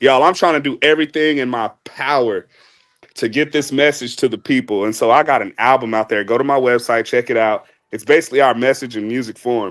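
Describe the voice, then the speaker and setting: At a fairly quick pace, a man speaks at medium pitch with ordinary pitch variation, recorded very cleanly against a silent background. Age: 30s. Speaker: political candidate and attorney. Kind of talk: live panel discussion. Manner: animated.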